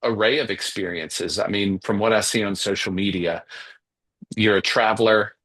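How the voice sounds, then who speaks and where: A man's voice: fairly low pitch, fairly even intonation, normal speed, a bit bright. A man hosting a podcast interview, speaking reflectively and affirming his guest, often repeating words as he thinks aloud. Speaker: podcast host.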